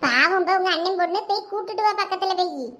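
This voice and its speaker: A woman speaks in a very high, bright voice with a thick Thoothukudi Tamil accent. She voices cartoon village women who bicker and tease each other in quick local slang. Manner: scolding, lively village banter. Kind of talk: cartoon voice acting.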